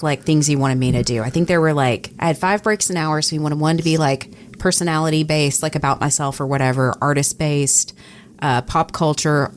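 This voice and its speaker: A woman with a slightly low voice tells stories in a casual, conversational way. She acts out the exchanges she remembers, like a podcast co-host swapping work stories. Faint noise sits behind her. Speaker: radio personality and podcast co-host.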